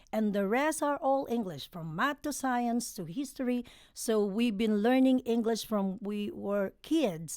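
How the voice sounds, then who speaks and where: A woman speaks in a Filipino accent at a fairly slow pace. Her pitch is fairly high, and she hardly pauses. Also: lively intonation, very clean recording, silent background. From Philippines. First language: Tagalog. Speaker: singer. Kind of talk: casual interview.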